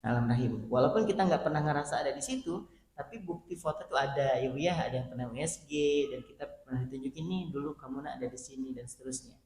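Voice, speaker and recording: A male preacher giving an animated sermon to a women's study group, acting out quoted voices as he talks to them directly. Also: mid-range voice, fast talker. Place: mosque hall. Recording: roomy mosque hall, faint background hum.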